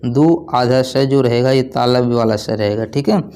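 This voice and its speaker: A man's voice: medium pitch, unhurried, dark tone, smooth. Man drilling exam answers call-and-response. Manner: repetitive call-and-response, asks then answers himself. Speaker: Hindi exam tutor. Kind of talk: online exam-prep lesson.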